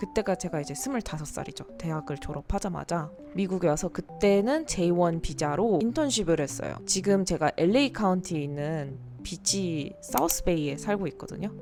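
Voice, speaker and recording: A woman speaks at a moderate pace with lively intonation and a fairly low pitch, with music playing in the background. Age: 30s. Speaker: vlogger. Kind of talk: casual talk to camera.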